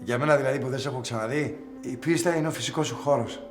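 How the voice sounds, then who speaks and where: An actor playing a flustered, flirtatious club owner who stammers and hesitates in a TV drama. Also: male voice, mid-range voice, echoey room, faint music behind, lightly acted. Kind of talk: TV drama acting.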